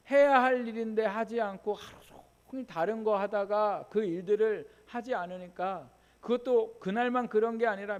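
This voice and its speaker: Male pastor, high voice, conversational sermon full of rhetorical questions, heard in a reverberant church. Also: a little mellow. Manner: conversational preaching with rhetorical questions and personal stories. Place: church sanctuary. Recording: church hall with long reverb.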